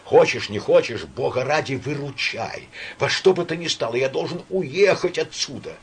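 A man's voice: medium pitch, expressive, normal speed, breathy edge, voice pushed up. A man reading an audiobook voices a desperate young official who pleads in a trembling voice. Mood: desperate, pleading.

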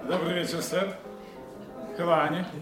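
An actor playing a suave, menacing secret agent in an audio drama, sly and mockingly courteous in a theatrical way. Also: male voice, a little high, fairly even intonation, normal speed, natural voice. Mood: falsely courteous. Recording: music behind the voice.

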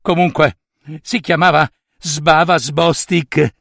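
A man voicing an excitable, boastful male white coypu who talks breathlessly and indignantly. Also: fairly high pitch, takes it slowly, creaky, no room sound, clean studio sound, exaggerated voice. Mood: agitated.

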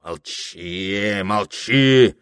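A man's voice: on the low side, extremely slow, a bit bright. A man voicing a frantic bearded drunk, hissing and shrieking. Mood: muttering. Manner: hoarse, hissing, then panicked shrieks.

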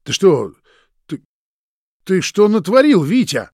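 A man voicing a hot-tempered young man who shouts in a strained, raised voice, in an audiobook. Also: a little high, lively intonation, unhurried, no room sound, studio quality, voice pushed up. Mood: accusing. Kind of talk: audiobook character voice.

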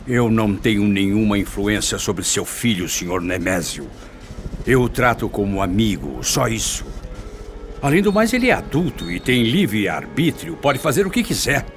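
A man's voice: fairly low pitch, big pitch swings, moderate pace. An actor playing a humbled, repentant father in a radio soap opera, speaking earnestly and conciliatorily. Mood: defensive. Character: humbled, repentant father restraining his anger. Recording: long reverb, music over voice.

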